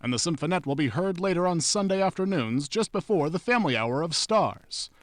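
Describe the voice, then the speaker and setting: A man with a fairly high voice announces in 1940s radio style. His delivery is formal, polished and scripted. The sound is very dry, without room echo. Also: animated, brisk.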